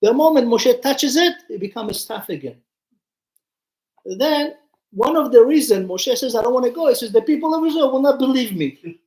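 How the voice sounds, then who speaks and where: Here a rabbi with an extremely high, darkish, animated voice speaks at a moderate pace, and the sound is reverberant. He retells stories in an informal Torah lesson, acting out the dialogue and asking his listeners questions in a conversational way.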